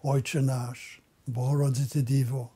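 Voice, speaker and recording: An older man whose first language is German gives measured, reflective testimony. His voice is dark and somewhat husky. He is interviewed indoors in an office. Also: mid-range voice, level tone.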